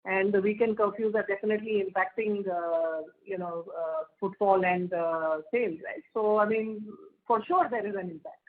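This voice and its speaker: A woman with an Indian accent answering questions as a company executive on an earnings call, in a halting, conversational way. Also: mid-range voice. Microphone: telephone. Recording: muffled narrow phone conference line.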